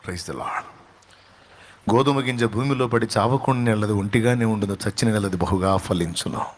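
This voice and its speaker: A man's voice: on the low side, normal speed, slight background noise. A male pastor delivering a sermon in an emphatic style, repeating phrases and asking rhetorical questions.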